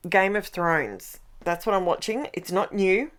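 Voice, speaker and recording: A middle-aged woman, chatting in a craft voice-over with a croaky voice, rambling and breaking off her own sentences. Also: medium pitch, animated, a little slow. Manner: chatty, rambling, self-interrupting. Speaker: scrapbooking vlogger.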